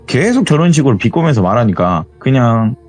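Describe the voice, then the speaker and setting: A man's voice: mid-range voice, fairly quick, soft background music. A young man acting as a guest storyteller, who tells a true horror story in a casual way and acts out the dialogue. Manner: animated, acts out quoted dialogue.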